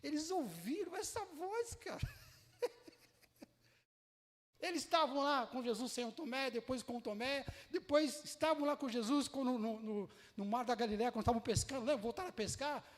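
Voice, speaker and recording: A man with a Brazilian Portuguese accent preaching a sermon in lively, colloquial storytelling that acts out the scenes. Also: very high voice, brisk, hardly any pauses. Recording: echoey hall reverb.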